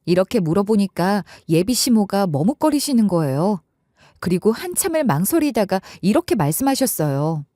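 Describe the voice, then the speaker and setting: A woman's voice: medium pitch, very animated, normal speed, warm tone, no echo, clean studio sound. A young woman telling a first-person story in a chatty, conversational way.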